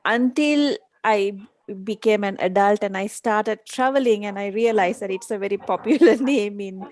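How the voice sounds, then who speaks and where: A woman from Sri Lanka, a participant in an online session, sharing a personal story in a soft, chuckling way. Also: medium pitch, normal speed.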